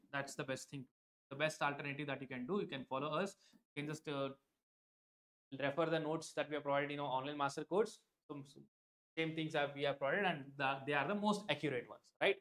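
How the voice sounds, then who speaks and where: A young man with an Indian English accent and a fairly high voice talks his students through a live online lesson. He leans on "like" as a filler, repeats himself, and calls on viewers by name. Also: a bit bright, rough recording. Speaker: online exam tutor. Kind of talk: live-stream lecture.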